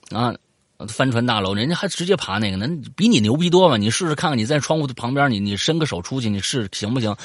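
Fast and medium-pitched, this male host reads a listener's story aloud and banters about it casually. He rambles, repeats himself, fills gaps with fillers, curses, and animatedly acts out quoted lines in voices. Clean studio audio with no echo.

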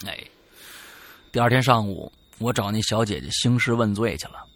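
A man co-hosting a podcast, reading a listener's ghost story aloud in a dramatic way that swings between loud and hushed. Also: on the low side, lively intonation, normal speed, no room sound. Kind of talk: spooky storytelling.

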